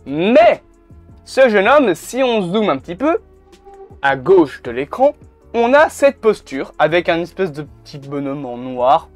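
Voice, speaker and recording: In a high-pitched, sing-song voice at a measured pace, a YouTuber gives blunt, casual commentary to camera and swears now and then. Faint music plays behind the camera mic recording.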